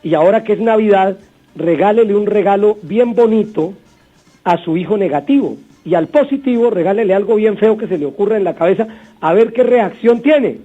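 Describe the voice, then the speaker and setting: A man voicing a psychologist giving calm advice in a told story. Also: sits high. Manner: slow, advising. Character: calm advising male psychologist. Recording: dull radio broadcast, faint music.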